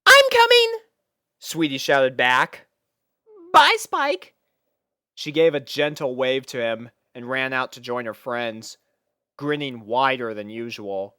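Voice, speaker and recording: A woman reading a scripted story aloud as an expressive narrator. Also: a bass voice, unhurried, smooth, no room sound, clean studio sound. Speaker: fan fiction reader, narrator.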